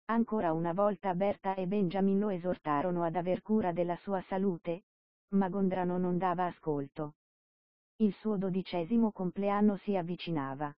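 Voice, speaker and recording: Brief: female audiobook narrator, lowish voice, steady measured reading, dull lo-fi sound. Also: dry recording. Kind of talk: scripted narration. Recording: dull dry lo-fi recording.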